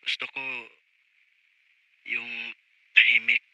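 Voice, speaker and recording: A man's voice: medium pitch, monotone, slow pace, pushed and bright, no echo, dull audio. Guy doing a confused earnest young man in a filipino audio drama, troubled by lost memories. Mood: tender, wistful.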